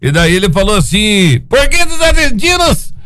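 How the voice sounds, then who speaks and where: A man hosting an informal radio-style show from his phone, telling jokes in an animated way, laughing often and acting out the characters. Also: sits high, normal speed. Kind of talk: joke telling and casual chat.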